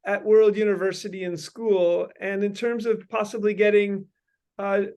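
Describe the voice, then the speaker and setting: Male host, high smooth voice, halting delivery with frequent fillers, long rambling sentences. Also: flat delivery, darkish tone. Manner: halting, many ums and uhs, long winding sentences. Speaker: host leading a meeting. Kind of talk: brainstorming meeting talk.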